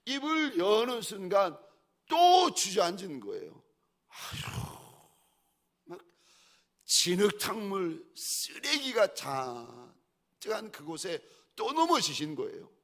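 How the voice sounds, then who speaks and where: Impassioned Korean pastor, very lively pitch. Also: male voice, slow pace. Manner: swings between hushed pleading and loud exhortation; repetitive, rhetorical questions to the congregation. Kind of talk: sermon.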